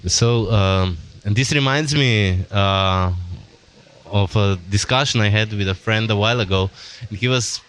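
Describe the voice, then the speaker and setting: Low-voiced man explaining an idea. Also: a little slow, fairly bright tone, smooth. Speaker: roundtable participant. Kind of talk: casual roundtable discussion.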